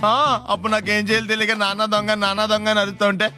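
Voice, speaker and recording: A cheeky young film comic, high bright voice, rattles off lines super fast. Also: male voice, monotone, faint music behind. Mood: rambling. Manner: quick, rambling comic back-talk. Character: cheeky, fidgety young man who talks back. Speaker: comic lead. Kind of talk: Telugu film comedy acting.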